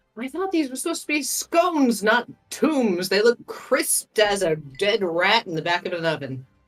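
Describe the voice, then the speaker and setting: A loud, booming put-on character voice with a fairly high pitch and very wide pitch swings moves at a moderate pace over faint music in the background. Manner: scathing, scolding.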